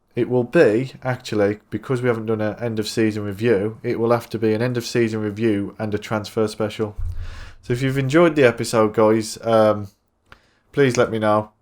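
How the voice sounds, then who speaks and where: A man with an English accent speaks at a medium pitch. His intonation stays fairly even. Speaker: gaming video creator. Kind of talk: gameplay commentary. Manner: fast; slurred.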